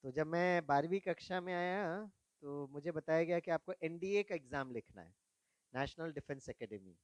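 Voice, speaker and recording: A man's voice: a little high, lively intonation, moderate pace, no room sound. A man giving a spiritual talk to young people, telling stories from his own life, asking the audience questions and mixing English words into Hindi. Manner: storytelling, asks the audience questions. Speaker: spiritual speaker.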